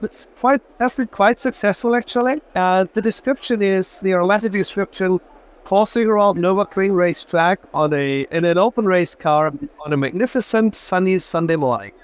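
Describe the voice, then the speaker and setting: A man with a German accent, a native German speaker, earnestly pitching his cigar brand in a trade show interview. His voice is smooth and resonant and sits slightly high. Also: normal speed.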